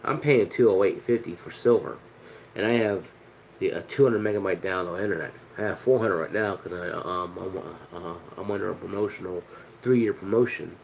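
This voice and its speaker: A man's voice: deep voice, normal speed, vocal fry, a little mellow, a little hiss or hum, low-quality recording. A man with a head cold and a nasal, stuffy voice, ranting casually to camera in a rambling, frustrated way with lots of restarts and the odd curse word. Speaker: vlogger.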